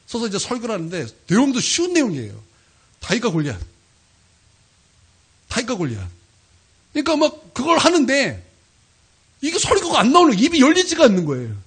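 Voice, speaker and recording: A man preaching a sermon as pastor, telling a story with lively, sudden loud peaks. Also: very high-pitched, a little fast, pauses often, breathy edge. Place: church sanctuary.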